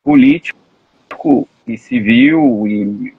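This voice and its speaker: A man's voice: mid-range voice, wildly swooping pitch, drawn-out words, creaky, husky, no room sound, narrow, tinny audio. A man hosting a political live stream interview, talking earnestly and often hesitant, with restarts. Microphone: live stream call.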